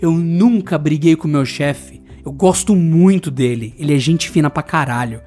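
A man's voice: a little high, normal speed, dark tone, soft background music. A man with a Brazilian Portuguese accent hosting a solo podcast, telling a story in a blunt, profane, indignant rant. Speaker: podcast host. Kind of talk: solo podcast monologue, ranting anecdote.

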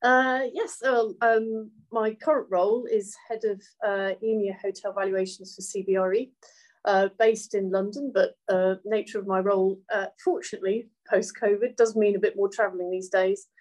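A woman's voice: medium pitch, steady tone, normal speed, darkish tone, low-quality recording. A middle-aged woman who grew up in Hong Kong, talking thoughtfully in a casual interview, with many ums and uhs. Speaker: guest, hotel valuation executive.

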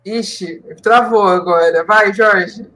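Bright-voiced host of a live stream. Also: medium pitch, takes it slowly, poor audio. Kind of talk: casual chat on a video call.

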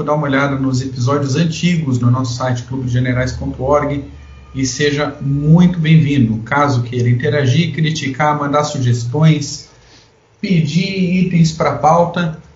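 A man's voice: medium pitch, darkish tone. Male co-host, Brazilian, explanatory podcast delivery, strong room echo, slightly dull audio.

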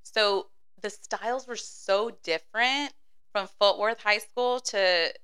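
A woman's voice: medium pitch, slow pace, sharp tone, clean tone. A woman in her thirties, a guest on a casual chat, agreeable, often saying yes and laughing. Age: 30s. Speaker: guest, boutique owner.

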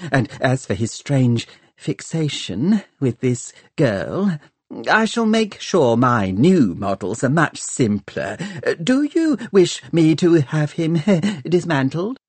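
Guy putting on a giggly simpering lady doctor, way up high, swoopy and sugary. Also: darkish tone, slightly rough, no echo, exaggerated voice. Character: simpering fawning woman scientist, giggly, ruthless.

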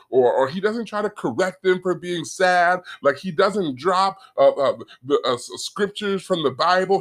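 A man preaching an earnest sermon, reading scripture slowly, repeating words as he builds a point and talking straight to his listeners. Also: high voice, a bit bright. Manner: reads scripture slowly and deliberately; addresses listeners directly and conversationally.

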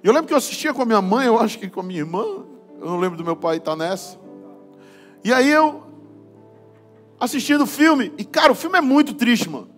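A man's voice: very high-pitched, lively intonation, fast, long pauses, faint music behind. A man pastor with a Brazilian Portuguese accent preaching a sermon, casual and slangy, building to fervent passages. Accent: Brazilian Portuguese, from Belém.

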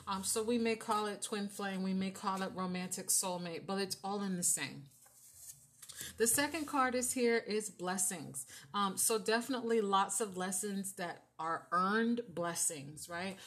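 A woman with a mid-range voice that carries, giving a relaxed tarot reading. She talks in a loose, chatty way and keeps checking in with the listener. The voice sounds like it demands attention. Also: medium pitch. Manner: chatty, filler-heavy, often asks "right?". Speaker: tarot reader. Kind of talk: casual spiritual reading.

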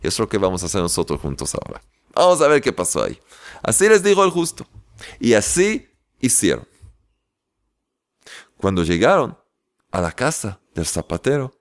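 A man telling a religious folk tale to listeners in a lively, animated way. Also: mid-range voice. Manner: lively, animated, laughs at his own tale. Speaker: storyteller.

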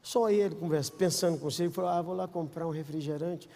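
Man, Brazilian accent, pastor, animated sermon storytelling, high voice, long reverb. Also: fast, creaky. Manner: animated storyteller, acts out quotes, swings from shouting to hushed. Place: church.

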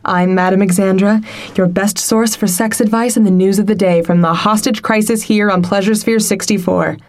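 A woman's voice: mid-range voice, fairly even intonation, moderate pace, darkish tone, natural voice. A woman playing a sassy sex-advice radio host. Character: brassy female sex-advice radio host on a space station. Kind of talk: comedy audio drama acting.

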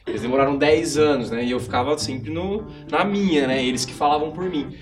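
A man hosting a casual interview, chatty and quick to react. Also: fairly high pitch. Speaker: host. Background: background music.

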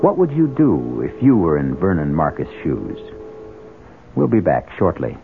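An actor as the ominous storytelling host of a mystery radio drama, speaking in a portentous, theatrical way. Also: male voice, rumbling low, sing-song, a little slow, vocal fry, phone-quality sound, heavily acted. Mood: ominous suspense. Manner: portentous, theatrical, rhetorical questions. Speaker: host and narrator. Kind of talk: suspenseful scripted radio drama narration. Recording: band-limited 1970s radio, music behind.

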